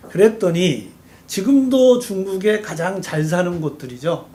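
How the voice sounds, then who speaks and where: A man who is a campaign spokesman, a guest on a live web talk show, telling long stories about history with lively enthusiasm. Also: high voice, a little slow. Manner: animated storytelling, talks through history at length. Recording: faint background noise, live stream.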